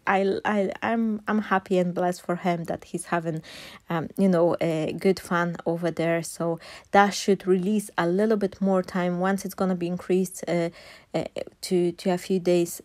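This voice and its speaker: A woman's voice: fairly low pitch, a little mellow. A woman in her thirties from Poland with a Polish accent, talking through a card-making tutorial in an enthusiastic, chatty way with many fillers and restarts. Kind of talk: chatty craft tutorial voice-over.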